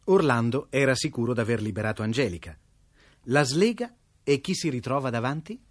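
A man narrating a classic tale for radio in a lively, wry storytelling manner. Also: medium pitch, fairly quick, dry recording.

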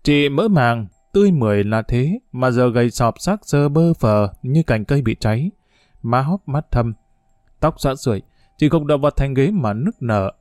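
A man narrating a news feature in a steady, grave reading voice. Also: mid-range voice, normal speed, no echo, studio quality. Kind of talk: scripted documentary narration.

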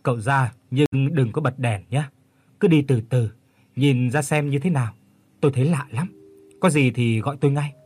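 A man's voice: mid-range voice, moderate pace, a little mellow, husky, lightly acted. A man voicing a frail, frightened old man in a spoken horror story, talking in a choked, pleading way. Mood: weary.

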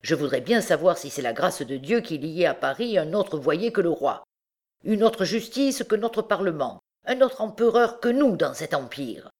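A woman's voice: on the low side, expressive, normal speed, darkish tone. A woman reading the part of a scheming, suspicious old king who muses darkly and barks orders, in an audiobook. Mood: brooding. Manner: musing, then barking orders.

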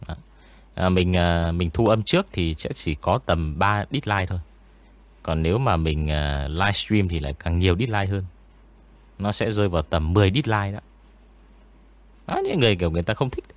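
A man with a very low, eerie voice talks casually in an interview. His delivery is relaxed and rambling, with frequent pauses. The recording is dry and close, with almost no room sound. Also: dry recording. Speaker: ghost story narrator and studio owner.

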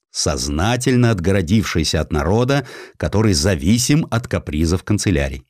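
A man reads historical satire as a dramatized audiobook. His voice is on the low side, with highly animated intonation and an ironic, theatrical delivery. The recording is dry. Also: no echo. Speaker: audiobook narrator.

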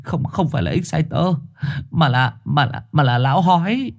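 A man's voice: on the high side, expressive, normal speed, gravelly, pitched above the performer's own voice. A man doing a stammering young stray dog. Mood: pleading. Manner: stammering, pleading. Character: young timid male stray dog, pleading.

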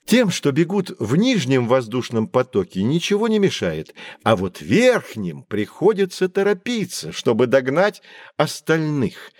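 A man playing a patient professor who explains things calmly to children in an audio drama. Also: a little high, unhurried, no room sound, full character voice. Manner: calm, lecturing explanations. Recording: dry studio recording.

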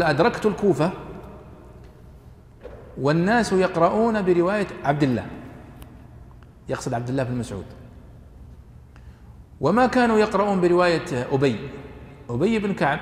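A man teaching a class on Quranic exegesis, explaining points to students in a halting lecture style with fillers and restarts. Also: on the high side. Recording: echoey hall, faint room noise.

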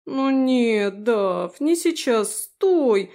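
A woman's voice: mid-range voice, normal speed, a little mellow, close to an everyday voice. A woman voicing a cheeky, fussy male fairy who teases and scolds, in a fantasy audiobook. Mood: scolding. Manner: teasing, scolding.

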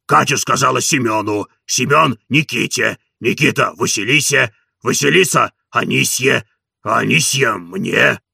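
A stubborn old manservant put on by a male narrator, grumbling and evasive in a deeply gravelly, husky voice. The tone is bright and hard-edged. He sounds set back from the mic in a dry recording. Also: measured pace, no echo, exaggerated voice. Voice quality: gravelly, hoarse.

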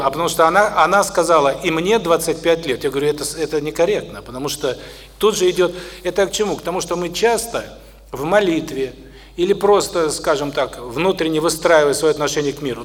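A middle-aged man giving a spoken lecture to an audience, unhurried, with many pauses and restarts. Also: on the high side, a little hiss or hum.

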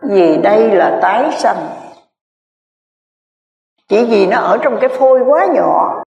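A Buddhist nun, telling a story in a rambling sermon full of filler words. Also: female voice, medium pitch, expressive, takes it slowly, gravelly, darkish tone, muffled recording. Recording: echoey hall, distant mic.

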